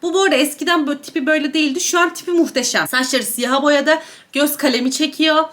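A young beauty and gossip YouTuber eats on camera in a casual mukbang, gushing and gossiping about celebrity outfits. Her voice sits high, fairly bright and steady, and she talks fast.

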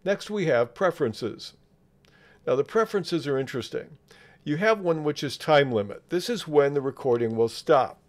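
Man narrating a software tutorial. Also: a little high, expressive, moderate pace. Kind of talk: step-by-step screen tutorial narration.

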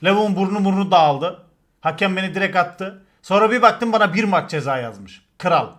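A man, telling crude football stories to his stream chat in a casual, animated way, swearing and acting out shouts. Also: high voice, moderate pace.

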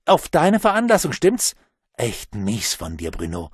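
A man voicing a furious woman who scolds her lover in sharp, accusing tones. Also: mid-range voice, wildly swooping pitch, unhurried, breathy edge, dry recording, studio quality, full character voice.

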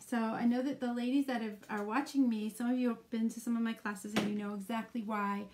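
A woman's voice: a little high, steady tone, brisk, noisy background. A middle-aged woman demonstrating a craft live, explaining each step in a chatty way with frequent ums.

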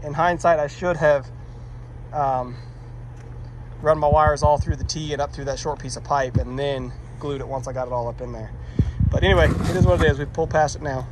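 Man, fairly high voice, casual how-to talk with self-deprecating asides, filmed on a phone outside with faint background noise. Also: fairly even intonation, brisk. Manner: chatty, self-deprecating, explains as he works. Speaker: vlogger doing electrical work. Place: outdoors by a metal shop, rainy muddy yard.

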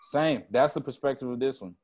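A man in his thirties, appearing as a guest musician, chats animatedly on a casual video call, scatting drum rhythms and freestyling as he goes. His voice is mid-range and fairly quick. He talks through an earbud headset from a room at home decorated with a jazz tapestry and string lights.

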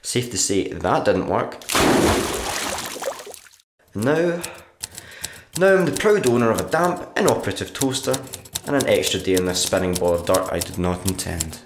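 A man playing a sullen, sardonic writer narrating his diary in a black comedy radio play, dry and deadpan. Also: lowish voice, normal speed, long pauses. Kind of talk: dramatic monologue, diary narration in a black comedy audio drama. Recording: roomy echo with background noise.

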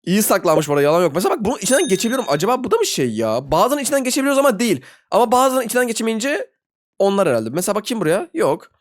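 Young man, rapid-fire gameplay commentary, animated pitch that jumps into high yelps when frustrated, slangy and excitable. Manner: talks to viewers and players in slangy banter. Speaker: gaming video host.

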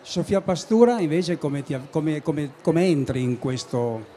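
A man's voice: a little high, unhurried, mellow, slight background noise. A middle-aged man interviewing guests at an expo booth, asking stop-start, rephrased questions into a handheld mic. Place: expo booth studio, indoors.

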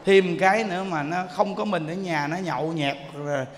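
A Buddhist monk, giving a sermon as a lively storyteller who often asks his listeners "see?". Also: high voice, normal speed, in a large hall. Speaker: Buddhist monk teaching dharma. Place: temple hall.

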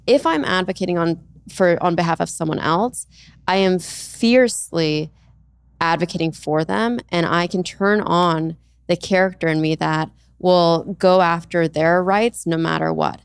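Young woman, podcast host, smooth, low, earnest, dry close sound. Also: measured pace, no room sound. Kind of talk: casual conversational interview. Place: bright studio with leather armchairs. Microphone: studio mic on boom arm.

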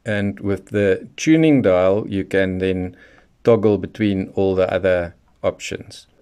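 A man with a fairly low voice presents a hands-on how-to guide. He speaks in a methodical, instructional way, taking the listener through each step in order. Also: takes it slowly, warm tone, clear, resonant tone. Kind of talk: hands-on product tutorial, explaining step by step.

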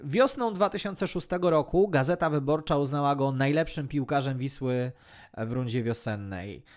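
A man hosting a football podcast, narrating a player's career in a prepared, measured, factual way. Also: mid-range voice, darkish tone.

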